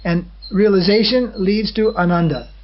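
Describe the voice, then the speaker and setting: A man, a swami, giving a measured spiritual lecture, often pausing to check on his listeners with a questioning "hmm?". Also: high voice, slight background noise. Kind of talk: religious lecture. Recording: dull lo-fi recording.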